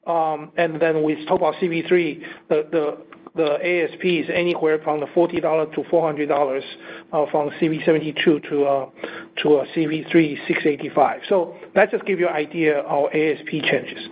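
A man with a fairly high voice comes through a narrow, phone-like line with faint noise. He is a company executive answering questions on an earnings call, speaking haltingly and repeating words as he goes. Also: steady tone. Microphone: conference call line.

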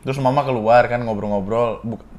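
A man's voice: mid-range voice, fairly even intonation, a little fast, a little mellow. Young man, casual chat, slangy storytelling, frequent restarts.

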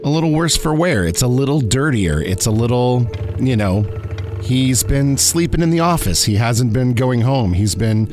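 A man's voice: mid-range voice, lively intonation, normal speed, darkish tone. A man casually recapping his tabletop character, hesitating and repeating phrases as he thinks. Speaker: podcast producer and player. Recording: music behind the voice.

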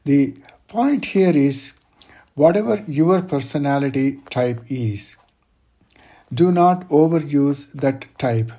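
A man giving measured career advice as an interview guest, explaining points through lists and examples. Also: fairly high pitch, expressive, mellow.

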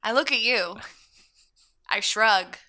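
Bright-voiced woman spinning a story. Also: medium pitch, takes it slowly. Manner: animated, insistent storyteller. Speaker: podcast co-host. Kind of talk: casual chat, narrating a hypothetical scenario.

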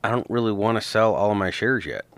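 A man with a low, deep voice co-hosting a podcast. He chats loosely and slips in teasing jokes. His voice sits close to the mic in a dry sound. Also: fast talker, fairly bright tone, no echo. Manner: joking, teasing banter. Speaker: podcast co-host. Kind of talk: casual chat about stocks.

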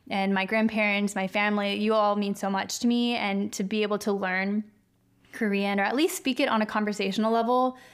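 A woman's voice: mid-range voice, smooth. A young woman from Kentucky hosting a podcast, chatting about family in an earnest, reflective way with many fillers. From Kentucky, United States. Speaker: podcast host. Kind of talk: casual conversation.

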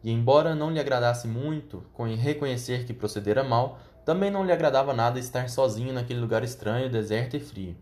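A man narrating a children's storybook in a steady, measured reading voice. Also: mid-range voice. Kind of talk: audiobook reading.

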